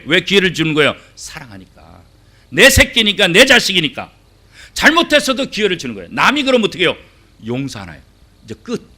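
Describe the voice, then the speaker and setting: A middle-aged pastor with a high voice delivers a sermon, acting out quoted voices and posing rhetorical questions to the congregation. His delivery swings between loud and hushed.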